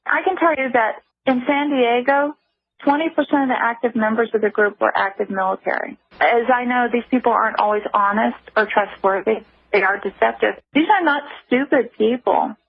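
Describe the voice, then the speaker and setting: A woman's voice: fairly high pitch, normal speed, gravelly, no room sound, phone-quality sound. A woman giving recorded testimony in a plain, matter-of-fact way. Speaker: interviewee.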